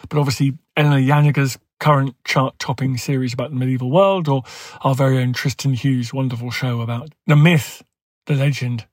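A man's voice: medium pitch, dry recording, clean studio sound. A man in his forties with a dental lisp, hosting a podcast and interviewing a guest with earnest enthusiasm. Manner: earnest, grateful. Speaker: podcast host.

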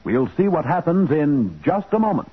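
A man's voice: on the high side, big pitch swings, normal speed. A man narrating a vintage radio drama as its announcer, with a dramatic, emphatic scripted delivery. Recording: muffled old radio recording, organ music behind.

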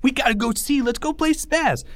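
A man voicing a gleeful, mocking schoolboy in a storybook, excitable and jeering. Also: sits high, moderate pace, breathy edge, no echo, voice pushed up, full character voice.

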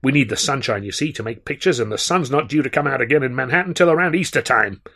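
A man's voice: medium pitch, animated, sharp tone, pitched above the performer's own voice. A man voicing a brash, boastful big male film producer who talks in a slangy, blustering way. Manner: blustering, fast-talking, slangy.

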